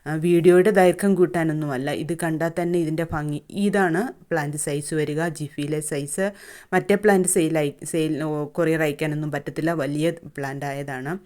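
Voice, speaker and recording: A woman's voice: sits low, steady tone, normal speed, darkish tone. A woman, talking through her home plant sale in a plain, chatty way with many fillers and restarts. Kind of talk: casual plant sale vlog.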